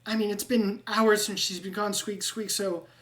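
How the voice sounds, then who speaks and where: A game master voicing an anxious rat man who keeps squeaking between his words, in a tabletop game. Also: little pitch movement, normal speed, fairly bright tone, close to an everyday voice. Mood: worried. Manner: peppers every phrase with squeaks.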